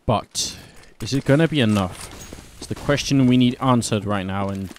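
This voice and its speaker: A man commentating a live esports match, brisk play-by-play that lifts in energy during the action, on a headset mic. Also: lowish voice, a little mellow, slight background noise.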